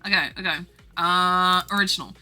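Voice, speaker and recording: A woman streaming casually to her viewers in a giggly, rambling, animated and teasing way as she works on art. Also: fairly low pitch, normal speed, faint music behind. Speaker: streamer drawing game art live. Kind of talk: casual livestream chat with viewers.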